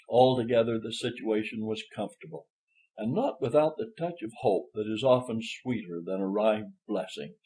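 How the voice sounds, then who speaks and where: A man's voice: lowish voice, dark tone, poor audio. A man reading a literary short story as an audiobook narrator.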